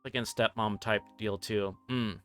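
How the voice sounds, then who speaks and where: A man's voice: lowish voice, fairly even intonation, a little slow, fairly bright tone. Man livestreaming a visual novel, music behind. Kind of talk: reading game text aloud, casual commentary.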